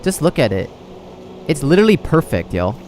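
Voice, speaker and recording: A man's voice: on the high side, very animated, a little fast, darkish tone, a little hiss or hum. A man livestreaming a video game, chatting casually with viewers and rambling as he thinks aloud.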